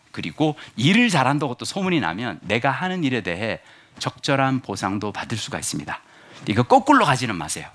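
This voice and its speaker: A man in his fifties giving a motivational lecture to an audience, joking and asking them questions. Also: medium pitch. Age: 50s. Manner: lively, jokey, asks the audience questions.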